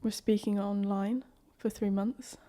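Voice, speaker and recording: Young woman, mellow tone. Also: mid-range voice, fairly even intonation, unhurried. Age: 20s. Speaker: host's fiancée. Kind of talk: casual Q&A chat.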